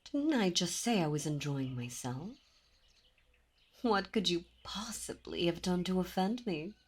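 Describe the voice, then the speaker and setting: A haughty demon princess, voiced by a woman, teasing and imperious as she draws her listener close. Her voice sits a little low and moves at an unhurried, slow pace. Faint birdsong drifts in the background. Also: animated. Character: haughty seductive female demon princess, commanding. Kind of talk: ASMR roleplay audio.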